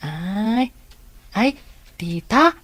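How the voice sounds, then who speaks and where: A woman's voice: medium pitch, animated, very slow, fairly bright tone, no room sound, exaggerated voice. A woman with an Ilocano accent playing a helpful, inquisitive young niece in an audio drama. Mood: curious.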